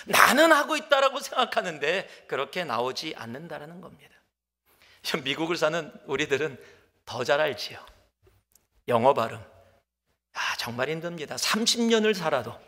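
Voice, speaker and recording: Lively high-voiced Korean pastor preaching. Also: male voice, moderate pace, long pauses, big-room sound. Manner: animated storytelling, acts out dialogue, drops to whispers. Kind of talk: sermon. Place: church sanctuary.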